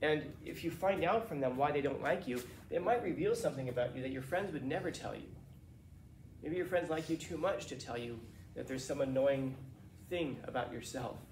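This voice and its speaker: Amid light background noise and audible room echo, a man with a fairly high pitch and ordinary pitch variation talks at a fairly quick pace with long, frequent pauses. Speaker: teacher. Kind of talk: lecture. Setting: classroom. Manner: stutters, repeats words. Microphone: camera far.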